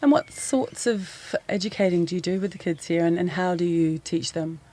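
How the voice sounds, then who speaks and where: A woman radio interviewer asking curious, brisk questions. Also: fairly low pitch, mellow.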